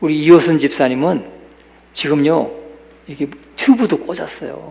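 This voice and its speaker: The pace is moderate. Intonation is lively. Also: man, fairly high pitch for a man. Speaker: senior pastor. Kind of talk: sermon. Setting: church. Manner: animated.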